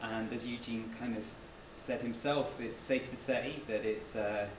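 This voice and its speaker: A man's voice: mid-range voice, fairly even intonation, unhurried. A man giving a public lecture as a guest speaker, talking in a modest, conversational way in a lecture room. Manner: modest, slightly self-deprecating, conversational. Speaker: guest speaker, author and anthropologist. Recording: echoey room from far off, noisy.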